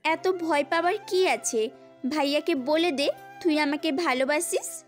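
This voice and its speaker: A woman's voice: high-pitched, measured pace. A woman playing a petulant, girlish young woman in love, the willful little sister in an audio story. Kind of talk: Bengali audio story voice acting. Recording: music under the voice.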